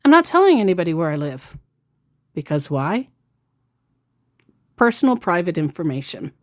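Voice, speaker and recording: A woman narrating her scam-baiting chats in a casual vlog. She sounds sarcastic and mocking, and her pitch swings widely. Her voice sits at a middle height for a woman. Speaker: scam baiter.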